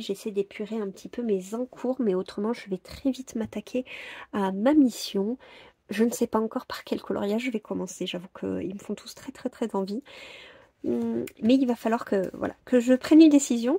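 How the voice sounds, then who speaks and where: A woman's voice: on the high side, mellow, breathy edge, no echo. A woman chatting casually about her coloring plans, hesitant, with many fillers and repeated words. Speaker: coloring vlogger.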